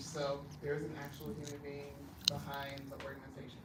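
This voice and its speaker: There is audible echo from the room and noticeable noise behind the woman as she talks at a moderate speed. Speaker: watershed organization staff. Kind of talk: public presentation. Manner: loud.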